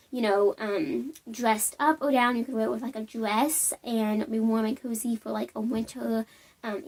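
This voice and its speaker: Brief: young woman hosting a knitting vlog, slightly sniffly, friendly chatty delivery, a bit high. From Alabama, US. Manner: chatty, upbeat, lots of ums and likes. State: sniffly from a cold. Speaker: knitting podcast host. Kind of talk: casual show-and-tell vlog.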